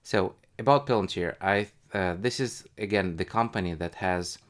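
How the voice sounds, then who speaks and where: A man with a fairly low voice talks casually as the host of a live stream. He thinks aloud in a halting way, as a retail investor giving his own commentary.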